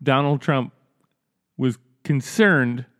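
A man's voice: medium pitch, slow pace, fairly bright tone, dry recording, studio quality. A man co-hosting a casual political comedy podcast, blunt and profane, laughing at his own jokes. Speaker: podcast co-host.

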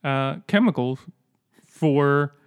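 A man co-hosting a podcast, making dry deadpan jokes in casual comedic chat. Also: medium pitch, slow, clean tone, no echo. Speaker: podcast co-host.

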